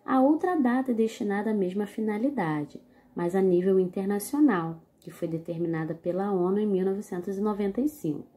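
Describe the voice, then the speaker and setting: Brief: woman, schoolteacher in a video lesson, deliberate and direct with the class, warm dark tone. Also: mid-range voice. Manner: slow, deliberate explaining, addressing the class directly. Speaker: teacher.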